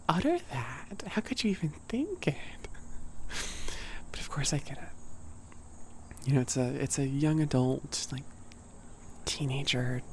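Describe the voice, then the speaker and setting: Slow, breathy, gentle giant cat boy voiced by a man. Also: fairly high pitch, a little hiss or hum. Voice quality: soft, breathy, often near whisper. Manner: gentle, hesitant, rambling, apologetic. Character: sweet, shy giant young cat boy friend. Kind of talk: ASMR roleplay, casual chat to listener.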